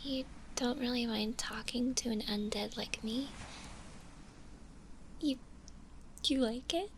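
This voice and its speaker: Woman as a slow, whispery, shy zombie girl. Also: a little high, fairly even intonation, slight background noise. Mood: bashful. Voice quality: soft, breathy, often whispering. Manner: hesitant, bashful, halting with small giggles. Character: shy, gentle, insecure undead zombie girl. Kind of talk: ASMR roleplay.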